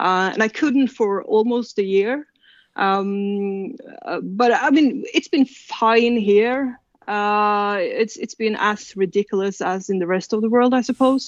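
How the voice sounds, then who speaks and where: With a Norwegian accent, a woman talks at a very slow pace and a fairly high pitch, her pitch varying in an ordinary way. The sound is dry and close, with no echo. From Norway. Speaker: comic book writer. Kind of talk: casual interview. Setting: video call.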